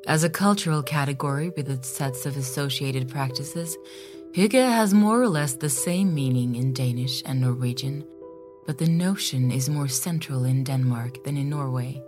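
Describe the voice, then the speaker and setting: A woman with a very low voice reads scripted narration in an encyclopedic style. She delivers it as formal information, and music plays clearly behind her. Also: moderate pace.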